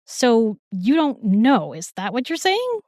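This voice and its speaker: Woman acting a high-voiced, wry young best friend. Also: huge pitch swings, slow pace, a little mellow, no room sound, clean studio sound, heavily acted. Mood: sarcastic, skeptical. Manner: sarcastic, casual. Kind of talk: fantasy audio drama acting.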